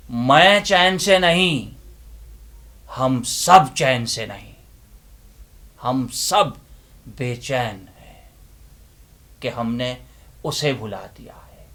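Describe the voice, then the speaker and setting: A man voicing mankind's anguished inner conscience in a theatrical, reproachful dramatic monologue, declaiming with drawn-out phrases and rhetorical questions. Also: mid-range voice, a bit bright. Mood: accusing, urgent, then sorrowful.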